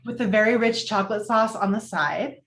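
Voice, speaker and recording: A woman's voice: mid-range voice, brisk, fairly bright tone, close to an everyday voice. A woman reading the part of a fond, particular woman in love in a romantic comedy script. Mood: fond, reminiscing. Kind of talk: script table read. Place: virtual call from home.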